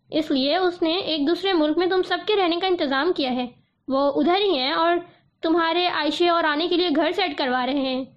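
Woman doing a cold bossy young guy, curt and firm, high voice, kinda dull lo-fi sound. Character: stern, guarded young man giving cold orders.

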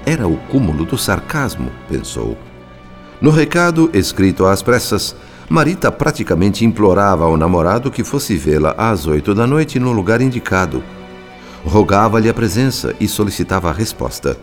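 A man's voice: on the low side, very animated, moderate pace, faint music behind. A man with a Brazilian accent playing a grave, watchful spirit who narrates a radio drama in literary, solemn style. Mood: grave, dramatic.

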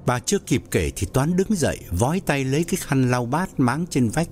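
A man narrating an audio story in a dramatic, expressive way. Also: medium pitch, moderate pace, slight background noise.

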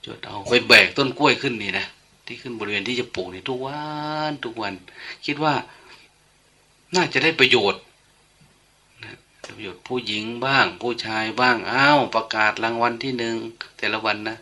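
A man's voice: mid-range voice, moderate pace, pushed and bright. An older man, a monk, giving an informal, chatty sermon full of anecdotes and light humor. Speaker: monk giving a dharma talk.

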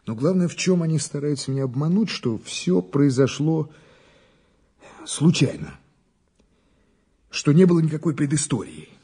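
A doubting police investigator in an audio drama. The voice is very rough and husky, lively in pitch, pressing each question and repeating words insistently. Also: male voice, moderate pace, long pauses, exaggerated voice. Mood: doubtful, troubled.

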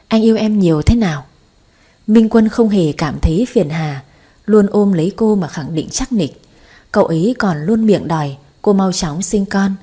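A woman narrating a romance drama story in a steady storytelling manner. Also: on the low side, breathy edge.

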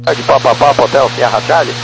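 A man's voice: medium pitch, fast, vocal fry. A Brazilian man speaking as a pilot, giving courteous, formal readbacks over aviation radio. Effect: radio transmission. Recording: noisy, humming cockpit radio transmission.

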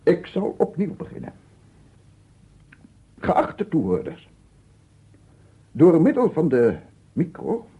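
An actor playing an unhinged, tormented scientist in a radio play, speaking haltingly and repetitively with a gravelly, husky voice. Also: male voice, fairly high pitch, exaggerated voice. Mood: agitated, insistent. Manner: halting, repetitive, rambling, from murmurs to loud declaiming. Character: unhinged, tormented male scientist, a visionary sound researcher. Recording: narrow, phone-like old radio recording.

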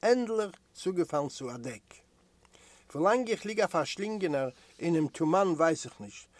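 Male audiobook narrator for a first-person memoir: measured, storytelling delivery, a touch high, recorded dry and close. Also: expressive, no echo.

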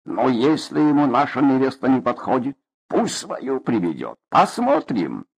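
A man's voice: medium pitch, big pitch swings, measured pace, vocal fry, slightly rough, exaggerated voice. A man doing a raging hot-tempered father. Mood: scornful. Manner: loud, blustering, sarcastic. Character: hot-tempered middle-aged Caucasus father. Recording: dull lo-fi audiobook recording.

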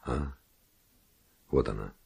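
An actor playing a bold, passionate Spanish nobleman and seducer in a verse radio drama, declaiming ardently in a gravelly, husky voice. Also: very deep voice, slow pace, a little mellow, heavily acted. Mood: musing, excited.

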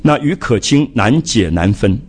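In a public lecture before a live audience, an older man talks about a classic novel in a reflective, conversational manner. His mid-range voice is animated and a little slow with a breathy edge, and he often says "ah" and repeats phrases.

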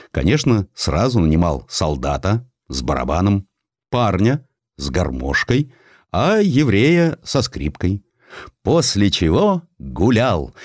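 A man's voice: medium pitch, darkish tone, no echo, clean studio sound. A man narrating a historical sketch as an audiobook, in a theatrical and wry storytelling manner.

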